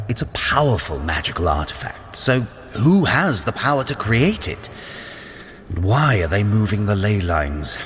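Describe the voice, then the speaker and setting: An actor playing a sly, scheming younger-brother god of mischief in an audio drama, theatrical and sardonic. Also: male voice, lowish voice, fairly bright tone, a little hiss or hum. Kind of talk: scripted audio drama acting for a fitness app.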